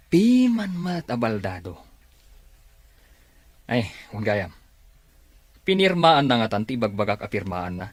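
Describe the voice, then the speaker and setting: A man's voice: on the low side, sing-song, slow, pauses often, heavily acted. A Filipino man playing a mocking, arrogant cousin in a radio drama, sneering and condescending. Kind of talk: Ilocano radio drama acting.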